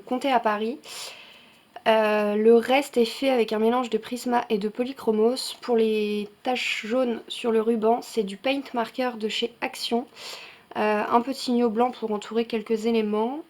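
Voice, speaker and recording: A woman with a slightly high voice chats through her finished coloring pages in a relaxed show-and-tell vlog. She talks loosely, full of little fillers and quick self-corrections as she goes. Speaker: coloring channel host.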